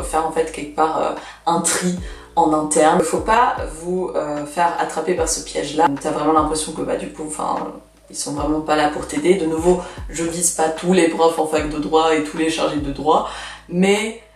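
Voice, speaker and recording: A woman's voice: deep voice, fairly even intonation, normal speed. Twenty-something woman, chatty and blunt, echoey room, sounds a bit far from the mic. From Russia. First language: Russian. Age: 20s. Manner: chatty, frank, lots of fillers. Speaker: vlogger. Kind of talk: casual advice vlog.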